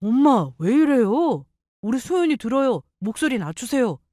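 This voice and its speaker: A calm young husband tries to settle things in a measured tone, as a woman reading a story plays him. He speaks a little lower than the narrator's own voice. The recording is dry. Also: no echo. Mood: placating. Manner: placating, measured.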